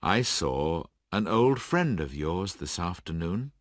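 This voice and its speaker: A man's voice: deep voice, sing-song, slow, dry recording, studio quality, full character voice. A man voicing a friendly middle-aged husband in plain conversation.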